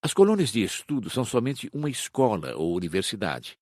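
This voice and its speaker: Husky low-voiced man reading an audiobook. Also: sing-song, brisk, a little mellow, no echo, studio quality. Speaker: audiobook narrator.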